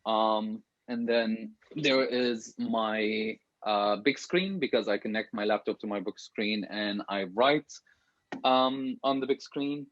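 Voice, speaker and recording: A lower-pitched man from Syria talks as an interview guest in an informal, candid way. The sound is slightly muffled and lo-fi, like a video call, with a dry room around him. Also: slow, a bit bright, no echo. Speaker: guest author being interviewed. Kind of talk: casual conversational interview. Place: small apartment home office, remote call.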